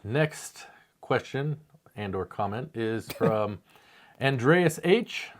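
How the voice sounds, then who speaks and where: Male co-host, American accent, medium pitch, casual and self-deprecating chat. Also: animated, slow. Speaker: co-host reading viewer questions.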